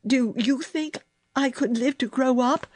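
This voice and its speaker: A woman's voice: sits high, unhurried, a little mellow, no echo, pitched above the performer's own voice. A woman voicing a spoiled, sickly young boy in a storybook, whining and fearful with dramatic flair. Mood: subdued, hopeful.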